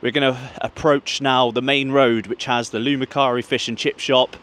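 A man's voice: mid-range voice, level tone, moderate pace, a bit bright. A man in his thirties narrates a walking vlog around a football ground, talking chattily to his viewers as "guys". He speaks into a handheld mic outdoors on city streets. Street traffic passes in the background. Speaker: football travel vlogger. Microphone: handheld mic, camera at arm's length.

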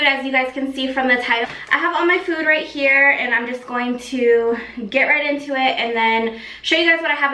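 A woman's voice: high voice, bright, forceful tone, recorded from a distance, a little hiss or hum. A young woman chatting casually in a mukbang eating vlog, filling her talk with ums and likes while she eats. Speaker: vlogger. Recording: echoey room, voice off-mic.

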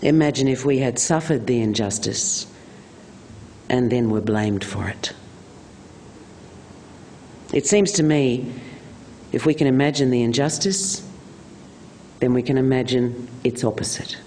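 A man reading a political speech aloud in a measured, deliberate oratorical manner, with emphatic repeated phrasing. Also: medium pitch, darkish tone, slight background noise. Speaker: reader of a famous political speech on stage.

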